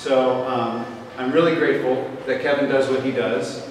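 The clip carries noticeable background noise along with strong room echo. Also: man. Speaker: embassy cultural officer. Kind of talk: formal welcome speech. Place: hall. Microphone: camera far.

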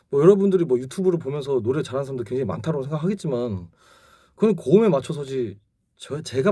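A man's fairly high, dark and mellow voice, somewhat breathy, very fast, with very wide pitch swings. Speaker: vocal coach. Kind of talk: casual talk to camera. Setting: vocal booth in studio.

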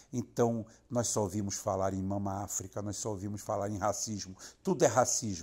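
A man with a Brazilian accent, fairly low in pitch and dark, mellow in tone, at a fairly quick pace, on a very clean recording with a silent background. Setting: home, sitting on the sofa in the dark, late at night. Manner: fiery, indignant, emphatic, repeating words for force.

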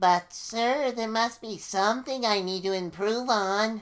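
A man uses a put-on character voice at a high pitch. He speaks fairly slowly with fairly even intonation. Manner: stammering, pleading.

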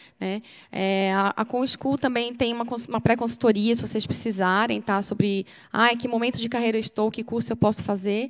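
A woman with fairly high pitch, a monotone, flat delivery and a moderate pace, over a quiet background. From São Paulo, Brazil. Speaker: marketing professional; TV talk show guest. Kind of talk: interview. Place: studio. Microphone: handheld.

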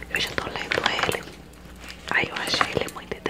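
A woman is speaking. She whispers. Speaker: ASMR channel host. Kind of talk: casual talk to camera. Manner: whispered. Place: home room. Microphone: studio mic.

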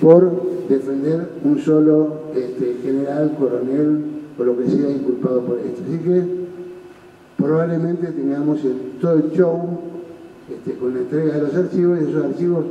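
Audible room echo surrounds a man speaking with ordinary pitch variation. He leaves long, frequent pauses. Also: moderate pace. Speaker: speaker. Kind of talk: political speech. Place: hall.

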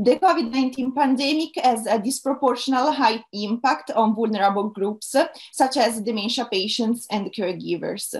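In a quiet background, a woman with an Italian accent talks at a moderate pace, her fairly high pitch showing ordinary variation. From Italy, Milan. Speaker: psychologist. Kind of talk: conference presentation. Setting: video call. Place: home room.

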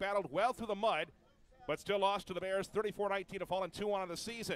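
A man talking at a fairly quick pace, with a dry sound and no echo. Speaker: play-by-play commentator. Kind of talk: sports commentary. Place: stadium. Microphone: headset.

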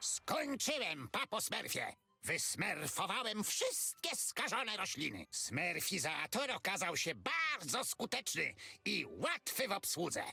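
A man does a put-on character voice at a high pitch and a moderate pace. The sound is dry and close, with no echo. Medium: video game.

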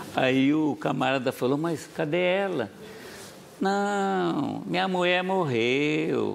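Over light background noise, a man with a fairly high voice speaks at a very slow pace, his pitch swinging very widely while his loudness stays very even. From Paraná, Brazil (Ribeirão do Pinhal); Paraná, Brazil. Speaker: comedian. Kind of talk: storytelling jokes on TV talk show. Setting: TV studio with audience. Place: studio.

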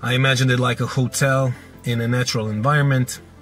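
Music plays in the background as a man with a non-native accent talks at a medium pitch with fairly even intonation. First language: not English. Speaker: 3D modeler. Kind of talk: unscripted tutorial commentary. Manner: hesitant, many fillers.

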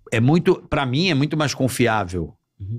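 A man is speaking. The background is quiet. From São Gonçalo, Rio de Janeiro state; Rio de Janeiro state. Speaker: podcast host. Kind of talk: casual chat. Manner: animated. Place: studio. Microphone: studio mic.

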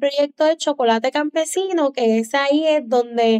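A woman speaks with a high pitch. Her pace is moderate and her pitch variation ordinary. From Puerto Rico, Lares. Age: young. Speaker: cacao farmer and chocolate maker. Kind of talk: interview.

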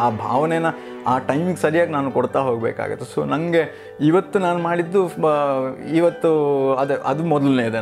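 Clear music plays in the background. A man talks with ordinary pitch variation. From Mangalore, India. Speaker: voice-over artist. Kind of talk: interview answer. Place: home room. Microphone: lapel.

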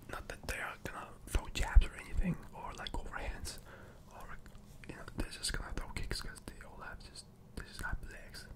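A soft-spoken man talks at a moderate pace over loud background noise. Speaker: streamer. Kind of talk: casual stream chat. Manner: soft close-mic ASMR speaking. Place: home room. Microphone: studio mic.

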